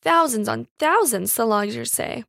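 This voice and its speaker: Female reader as cheeky young servant girl, indignant, proud, uneducated speech, storybook character, higher pitch, dry sound. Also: animated, moderate pace, creaky, a bit bright, no room sound, exaggerated voice. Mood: pert, defiant. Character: pert, defiant young housemaid newly come into money.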